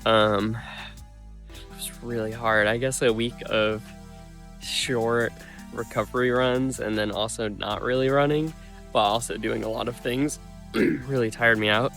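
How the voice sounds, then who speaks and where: Congested man, mid-range voice, chatty filler-heavy vlog recap, soft music underneath. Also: medium pitch, fairly even intonation, measured pace, gravelly. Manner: rambling, full of ums and likes. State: stuffed-up nose and congested. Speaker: running vlogger.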